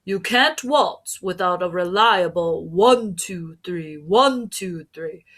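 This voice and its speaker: A woman voicing weary, bored cellos and basses in a storybook, with a resigned manner. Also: animated, takes it slowly, fairly bright tone, heavily acted.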